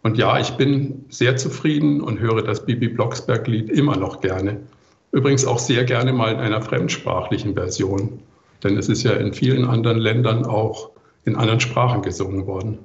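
An older man giving relaxed answers as an interview guest. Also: on the low side, normal speed. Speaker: composer interviewed as podcast guest. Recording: muffled, roomy, echoey remote recording.

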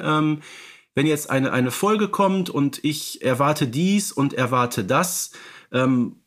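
Podcast co-host, male, forties, halting delivery full of fillers. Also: on the high side, a bit bright. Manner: hesitant, many fillers. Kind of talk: casual fan podcast chat.

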